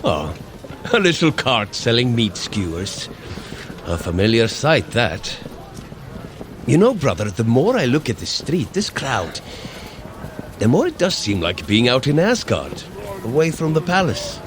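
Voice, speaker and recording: An actor playing a hearty, impatient, good-natured warrior god in a scripted audio adventure, with blunt, theatrical, old-fashioned phrasing. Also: male voice, mid-range voice, sing-song, a little slow, long pauses, noisy background. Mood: wistful, curious. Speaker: fitness workout guide character.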